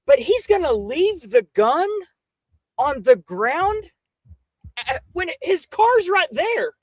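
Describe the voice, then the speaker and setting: A man with a widely swinging, animated pitch in a dry recording. He gives casual, incredulous commentary as a livestream panelist. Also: slow, no echo.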